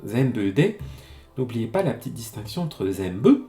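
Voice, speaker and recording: Lively French teacher explaining Japanese. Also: male voice, mid-range voice, moderate pace, faint music behind. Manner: lively, chatty, reads Japanese aloud then explains in French; greets chat viewers by name. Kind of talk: live-streamed language lesson, reading and explaining a text. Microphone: streaming mic.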